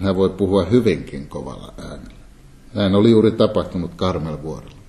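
A man giving a Bible lecture, reading scripture passages aloud in a calm, measured way and explaining them. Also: low-pitched.

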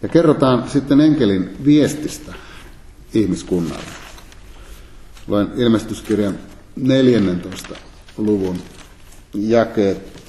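A man giving a Bible lecture, reading scripture passages aloud in a measured way with pauses. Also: on the low side, dark tone. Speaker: Bible teacher. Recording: echoey room.

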